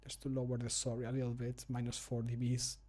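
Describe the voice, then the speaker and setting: A man chats casually on stream from his desk at home, poking fun at himself between takes. His voice sits in an ordinary middle pitch, close on a desk microphone. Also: completely flat delivery, fast, mellow. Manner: self-mocking, chatty, talks through each retake. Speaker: streamer recording voice lines for a game mod. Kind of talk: casual live-stream chat. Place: home room at a computer desk.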